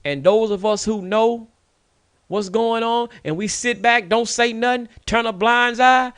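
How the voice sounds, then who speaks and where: A man's voice: extremely high pitch, unhurried, fairly bright tone, clear, resonant tone, dry recording, clean studio sound. A man from the United States with an African American Vernacular English accent, hosting a radio show and delivering an impassioned, scolding monologue. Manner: preachy, scolding, repetitive emphasis.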